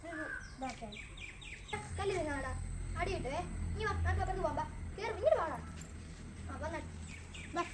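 A woman with a very high, light voice coaxes her pet bird in sing-song baby talk. Between coaxes she chats casually to the camera about the bird's habits. The phone recording is outdoors in a garden, with plain outdoor noise behind her. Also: lively intonation, normal speed, long pauses. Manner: coaxing baby talk to a pet bird, mixed with chatty explanation. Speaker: pet vlogger.

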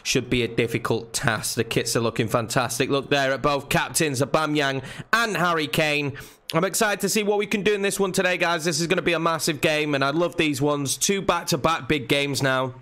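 A young man with a fairly high voice, a touch nasal and croaky from a cold. He commentates his own football video game in a chatty, easygoing way from a desk at home, lifting his voice when a chance comes. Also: fairly quick, sharp tone. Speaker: gaming channel host. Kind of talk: casual gameplay commentary.

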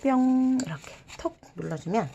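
A woman's voice: sits high, expressive, moderate pace, creaky, warm tone, highs cut off, slight background noise. A woman giving step-by-step craft instructions to children, repeating steps simply and dropping in playful little sound words. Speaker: host of a children's origami tutorial.

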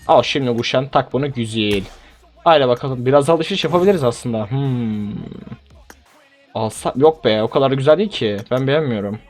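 A young man giving casual, animated gameplay commentary, pleading with and exclaiming at the game as he plays. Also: medium pitch. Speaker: gaming YouTuber.

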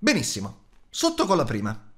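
A man voicing a small, nervous hobbit who talks in a brisk, insistent way. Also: fairly high pitch, huge pitch swings, a bit bright, voice pushed up. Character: small nervous hobbit, trying to sound bold.

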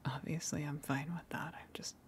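A woman voicing a friendly eldritch monster in an ASMR roleplay, in a breathy whisper with a halting, coy, gently teasing manner. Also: low voice, steady tone. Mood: flustered, coy.

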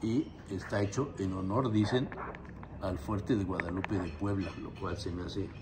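A man's voice: deep voice, steady tone, measured pace, noisy background. A man hosting a show, chatting casually and joking with his guest. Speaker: show host. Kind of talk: casual chat.

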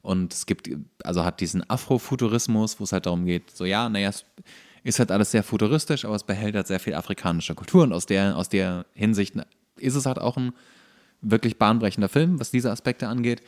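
A man's voice: on the low side, fairly quick, darkish tone. A man co-hosting a podcast, chatting informally and explaining things with firm opinions. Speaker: podcast co-host. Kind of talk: casual chat, explaining film trivia.

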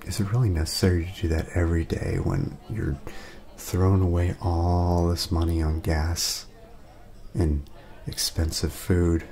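A man speaking softly in a casual ASMR roleplay, laid-back and friendly, chatting as if to a friend. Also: sits low, little pitch movement, measured pace. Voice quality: soft, breathy at times, creaky.

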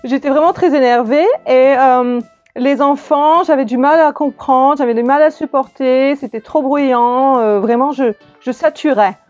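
A woman playing a prim, flustered grown woman who gives a hesitant testimonial in a comic sketch, full of pauses and fillers. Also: sits high, darkish tone, dry recording, highs cut off, soft background music.

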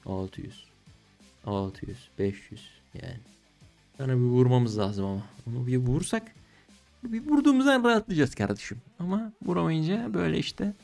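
Young male case-opening streamer, warm tone, slangy and excitable, soft music behind. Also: lowish voice. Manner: slangy, excitable, pleading and groaning at results. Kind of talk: casual gaming commentary.

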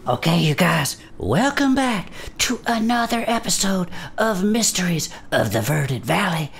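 A woman's voice: fairly low pitch, very animated, a little slow, slight background noise. A woman co-hosting and playing in an audio drama, recapping the story in a folksy, conspiratorial way. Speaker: co-host and player. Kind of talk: chatty in-character story recap.

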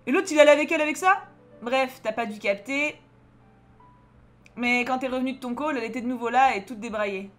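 With soft background music, a young adult woman with a French accent comments on a story game in a high-pitched, brisk voice, pausing often. She's chatty and joking, reads the dialogue aloud, and alternates loud outbursts with mutters.

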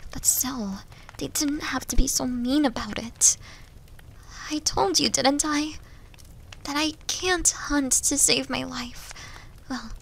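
A woman's voice: high-pitched, heavily acted. A woman voicing a timid, needy, self-loathing young wolf girl in an ASMR roleplay, plaintive and hesitant, often dipping toward a whisper. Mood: ashamed, subdued. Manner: soft, hesitant, breathy dips into whispering, plaintive. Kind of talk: ASMR roleplay audio drama.

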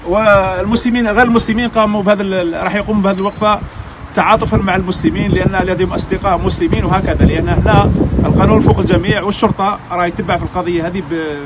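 Fast heated middle-aged Algerian man. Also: high-pitched, heavy background noise. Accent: Algerian Arabic. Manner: heated, exhorting, repetitive. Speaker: community vlogger. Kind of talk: impassioned advice monologue.

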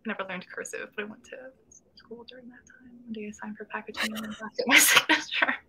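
A woman's voice: medium pitch, fairly even intonation, fast talker, background noise. A woman in her twenties hosting a casual writing livestream from home, reading chat comments aloud and laughing often. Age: 20s. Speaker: host. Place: small room at home, indoors. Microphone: webcam video call.

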